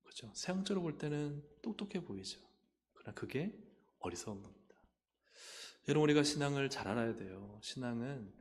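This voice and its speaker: A male pastor with a Gyeongsang accent preaching a lively sermon, calling for amens and acting out little dialogues. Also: medium pitch, in a large hall. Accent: Gyeongsang Korean. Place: church sanctuary.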